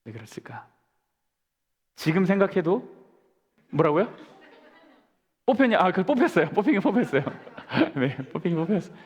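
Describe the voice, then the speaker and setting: A man's voice: sits high, big pitch swings, normal speed, long pauses, darkish tone, breathy edge, muffled recording. A man in his forties, a pastor preaching a sermon, telling a story and asking the congregation questions before answering them himself. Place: church sanctuary. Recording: long church-hall reverb.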